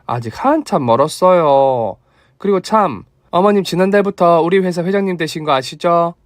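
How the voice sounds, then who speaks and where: A man voicing a generous, lively young daughter-in-law with a Gyeongsang dialect, earnest and teasing. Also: a little high, moderate pace, no room sound, studio quality, lightly acted. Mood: eager.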